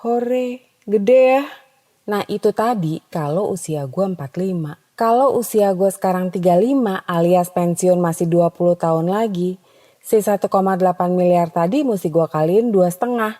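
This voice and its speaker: Lady doing a teasing chatty podcast bit, lowish mellow voice, long reverb tail. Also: moderate pace. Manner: chatty, teasing, mixes in English slang. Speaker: podcast host. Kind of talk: scripted podcast monologue.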